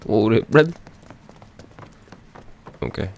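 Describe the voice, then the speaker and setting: Low gravelly man, casual gamer. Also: lively intonation, slow pace, a little mellow, a little hiss or hum. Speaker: gaming content creator. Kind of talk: casual let's play commentary with bits of singing.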